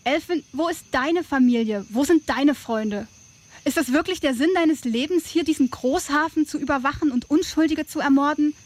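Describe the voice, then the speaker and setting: Woman acting a bold, highish-voiced tribal rescuer. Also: moderate pace, natural voice. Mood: impassioned, reproachful. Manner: direct, teasing, impassioned. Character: bold, caring tribal woman, defiant and practical. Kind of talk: audio drama acting.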